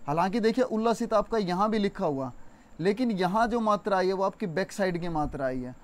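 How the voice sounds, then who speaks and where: Young guy with a high voice running a spelling class, repeats words slowly, chatty with viewers. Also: animated. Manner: explains slowly, repeating and stretching words for stress; addresses viewers as friends, conversational. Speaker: teacher. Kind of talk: exam-prep Hindi spelling lesson.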